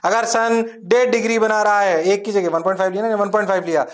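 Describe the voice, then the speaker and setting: A man's voice: high voice, steady tone, quick pace. A male physics teacher giving an exam-prep lecture, coaxing students in a playful, sing-song way and mixing English terms into his speech.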